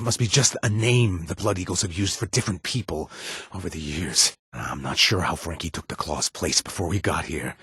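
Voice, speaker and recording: A man's voice: lowish voice, a bit bright, husky, dry recording, studio quality, heavily acted. A man voicing a weary, streetwise game companion who pleads emotionally with his lost brother, his voice rising when desperate. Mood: thoughtful. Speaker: companion character in a video game. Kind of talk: game voice acting.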